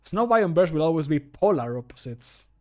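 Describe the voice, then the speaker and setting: A man's voice: a little high, very animated, normal speed, a little mellow. A man voicing a cocky, punning older adventurer for video game lines, with a jokey, lightly taunting delivery. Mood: dry, punning. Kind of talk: game voice line takes.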